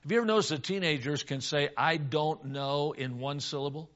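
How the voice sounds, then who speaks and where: A man's voice: fairly high pitch, brisk, a bit bright. A man preaching a sermon, telling a folksy personal story in a plain, earnest way. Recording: dull lo-fi recording.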